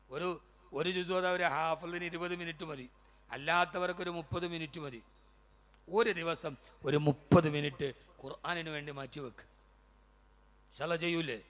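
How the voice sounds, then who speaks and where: A man's voice: a little high, a bit bright. A man preaching a sermon, moving between melodic chanting and impassioned storytelling. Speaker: Islamic preacher.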